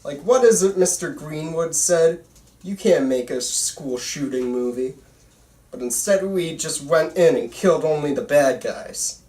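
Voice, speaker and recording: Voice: medium pitch, unhurried, a little mellow, lightly acted. A performer playing a bitter, intense teenage boy filmmaker in an amateur script read, recorded at a distance in a roomy space. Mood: darkly excited. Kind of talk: amateur screenplay table read.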